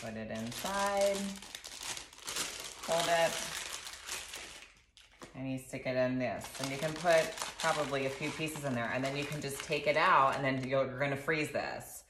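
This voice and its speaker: A woman in her thirties casually walking through a recipe in her home kitchen, chatty and relaxed, filmed by a camera across the counter. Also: a bass voice, a little slow, pauses often, background noise. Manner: relaxed, chatty instructions with fillers. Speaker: doctor sharing recipes. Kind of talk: casual cooking demonstration. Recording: echoey kitchen, slightly distant.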